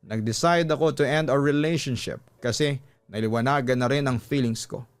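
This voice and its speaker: A man voicing an apologetic cheating husband who begs in a pleading, drawn-out way, in a story drama. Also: mid-range voice, clear, resonant tone, natural voice. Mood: earnest. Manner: pleading, drawn-out English phrases mixed with Tagalog. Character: desperate, apologetic cheating husband begging forgiveness.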